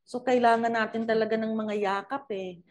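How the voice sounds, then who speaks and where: A woman's voice: on the high side, fairly even intonation, moderate pace, darkish tone. A woman co-hosting a Christian radio program, reflectively responding to a guest with a personal memory. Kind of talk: radio talk show hosting.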